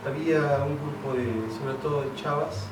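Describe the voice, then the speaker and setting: A Mexican playwright talking casually about his work at a public event, relaxed and conversational, with plenty of fillers and slang. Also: fairly high pitch, moderate pace. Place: event hall. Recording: roomy, distant mic with noisy ambience.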